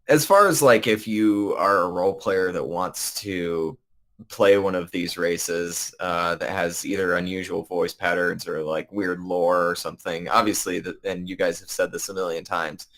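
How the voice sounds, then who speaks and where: A man guesting on a gaming podcast, talking casually with many ums and likes and pausing to search for words. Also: deep voice, steady tone, fairly bright tone. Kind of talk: casual chat.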